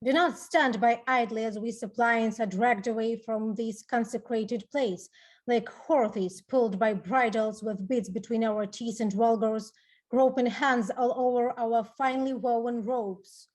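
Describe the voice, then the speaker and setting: A woman's voice: fairly high pitch, steady tone, a little slow. A woman playing a beseeching, indignant suppliant in a formal, earnest reading of Greek tragedy. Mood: indignant pleading. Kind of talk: live dramatic reading of ancient Greek tragedy. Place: online video call.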